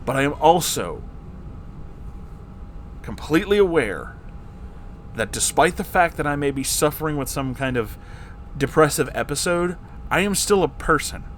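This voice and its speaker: A man with a fairly high, sing-song, slightly bright voice reads listener stories at a normal speed, pausing often, with a little background noise. As host he reacts with candid, casual remarks that are emphatic, blunt, and sweary.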